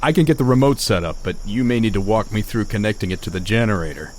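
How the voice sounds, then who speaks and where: An actor playing a steady radio-station man who talks calmly and tersely and takes charge. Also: fairly low pitch, fast, lightly acted. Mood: tense. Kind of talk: radio drama acting. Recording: noisy radio-play track with effects.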